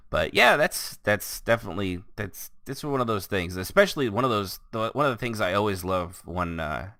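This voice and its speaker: Deep-voiced guy hosting a gaming podcast, rambly, dry close sound. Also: lively intonation, normal speed, vocal fry, hardly any pauses, sharp tone, no echo. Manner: rambling, restarts often, laughs easily. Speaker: podcast host. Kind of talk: casual chat.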